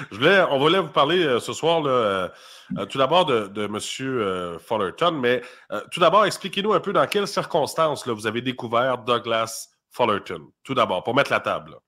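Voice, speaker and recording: A man speaks at an ordinary middle pitch. He reads a prepared introduction in a measured way, then questions his guest in a relaxed, conversational manner. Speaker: co-host. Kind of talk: read biographical intro, then interview questions.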